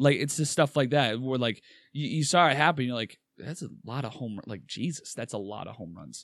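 With lively intonation and big swings in loudness, a man talks at medium pitch on a very clean recording with a silent background. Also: moderate pace. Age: 20s. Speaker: sports podcast co-host. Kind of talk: casual chat. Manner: animated.

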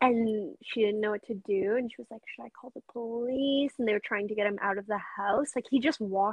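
With hardly any pauses, a woman talks in an ordinary speaking voice at a fairly high pitch. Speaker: podcast guest. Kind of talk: casual chat.

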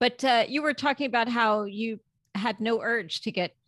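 Over a quiet background, a woman with a fairly high pitch speaks in an animated tone at a moderate pace with ordinary pitch variation. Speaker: podcast co-host, mother. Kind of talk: casual chat. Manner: animated, laughs often.

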